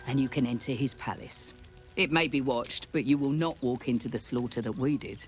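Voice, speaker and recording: A man playing a weary, honourable tribal warrior in a fantasy video game, speaking in a solemn, formal, measured way. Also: mid-range voice, faint music behind, lightly acted. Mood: conspiratorial, serious.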